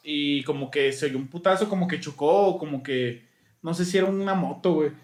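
A man's voice: a little high, fairly quick, a little mellow, roomy sound. A man with a Mexican accent, co-hosting a podcast and telling a rambling story in slangy casual chat, acting out what people said. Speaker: podcast co-host.

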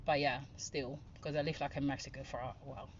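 Young woman chatting over loud car noise. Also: rumbling low, fairly even intonation, fast. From born in Angola, raised in the Netherlands from about seven. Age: young adult. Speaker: interviewed passenger, a translator. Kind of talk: casual interview chat. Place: inside a moving taxi. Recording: dull lo-fi, loud vehicle noise.

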